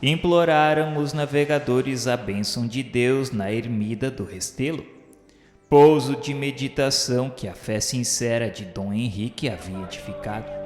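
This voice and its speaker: A man with a Brazilian accent reads a radio novela in a formal, reverent, declamatory style, a solemn scripted literary account of a spiritual history. His mid-range voice is slightly slow with a darkish tone, set in a reverberant, hall-like echo with background music underneath.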